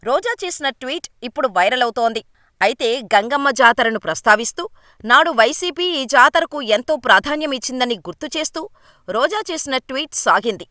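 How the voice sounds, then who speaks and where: A woman reading a scripted news voice-over with a brisk delivery. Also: high-pitched, expressive, pushed and bright, dry recording, studio quality. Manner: brisk read-aloud delivery of a written script. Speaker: news narrator.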